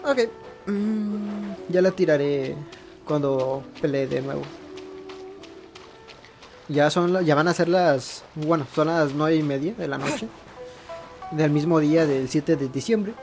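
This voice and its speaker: A man's voice: a little high, measured pace, pauses often, darkish tone. A man with a Mexican accent hosting a gaming video in casual, informal, self-deprecating chat. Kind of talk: casual let's-play chat. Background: game music.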